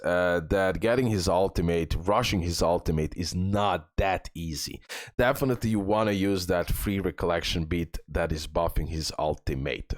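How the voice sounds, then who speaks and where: Deep-voiced man giving game guide commentary. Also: no room sound, clean studio sound. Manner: informal, addresses viewers as guys, repeats points for emphasis. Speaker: gaming content creator and host. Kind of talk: game guide commentary, reading skill descriptions and giving tips.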